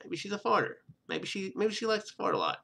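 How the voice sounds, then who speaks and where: Bright-voiced young man doing let's play commentary. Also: high voice, huge pitch swings, fast, gravelly. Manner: stumbles over words and rereads them. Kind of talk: casual playthrough commentary with read-aloud narration. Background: game music.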